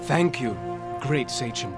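An actor playing a courteous, self-assured Native American envoy in a radio drama, with a formal and pointed manner. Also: male voice, mid-range voice, lively intonation, slow pace. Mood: formal, respectful. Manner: formal, deferential yet pointed. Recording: radio play with music underneath.

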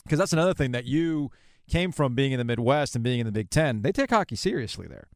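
A man's voice: mid-range voice, lively intonation, quick pace, no room sound, clean studio sound. A man in his forties hosting a sports podcast, chatting informally in a casual interview style. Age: 40s. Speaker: podcast host.

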